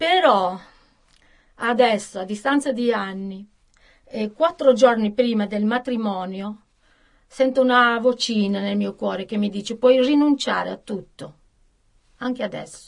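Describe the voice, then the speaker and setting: A woman with a fairly high pitch talks at a fairly slow pace with ordinary pitch variation. Her speech has long, frequent pauses. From Sicily. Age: 60s. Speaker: guest sharing life story. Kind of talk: testimony.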